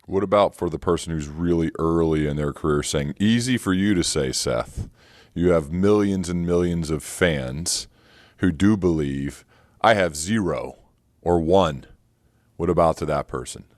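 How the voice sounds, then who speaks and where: A man's voice: sits low, measured pace, dry recording, clean studio sound. A man interviewing a guest as podcast host, asking long, winding questions in a conversational style.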